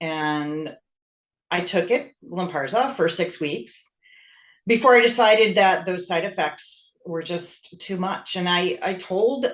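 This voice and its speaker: Very slowly, a woman speaks at a medium pitch. Her intonation is lively. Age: 60s. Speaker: cancer patient panelist. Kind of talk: personal testimony.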